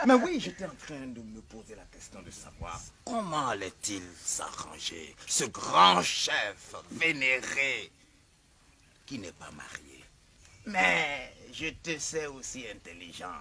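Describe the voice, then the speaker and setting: An actor playing a cheerful village sorcerer who chants and laughs theatrically. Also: male voice, mid-range voice, huge pitch swings, slow, creaky, a crowd in the background, full character voice. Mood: flattering. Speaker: comedy sketch actor. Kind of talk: village comedy sketch acting.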